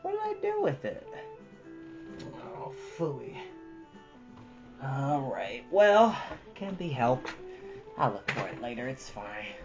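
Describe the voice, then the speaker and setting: A livestream host of about thirty chatting casually and exclaiming in an animated, talkative way. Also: medium pitch, slow pace, long pauses, highs cut off. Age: 30s. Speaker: livestream host who reads books aloud. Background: prominent jazz music.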